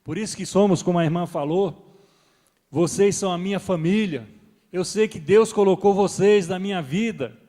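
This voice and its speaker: A middle-aged man preaches from the pulpit in a fairly high voice. He swells loud on his points and then drops back soft. The sound trails off in the long reverb of a church hall. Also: normal speed. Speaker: pastor. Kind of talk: sermon.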